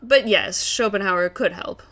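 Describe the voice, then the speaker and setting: A woman's voice: medium pitch, a little slow, a bit bright, a little hiss or hum. A woman playing a pompous, detached, over-intellectual doctor who lectures in a comedy sketch. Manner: pompous, academic.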